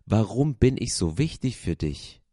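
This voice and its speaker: A man's voice: lowish voice, very animated, unhurried, warm tone, slightly rough, dry recording, studio quality, voice pushed up, full character voice. A man voicing a small, timid male wooden puppet who sounds anxious and pleading.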